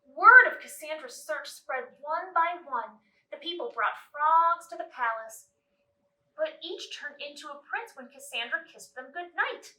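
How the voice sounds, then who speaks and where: Children's storytime reader, female: animated, expressive, bright, roomy distant-mic sound. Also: high voice. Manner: expressive, deliberate, addressing young children. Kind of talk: children's storybook read-aloud.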